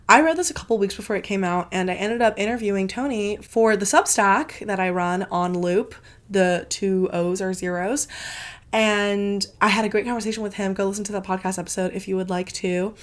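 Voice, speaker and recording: A woman's voice: mid-range voice, normal speed. A congested woman hosting her book channel, gushing in a casual, filler-heavy review with plenty of swearing.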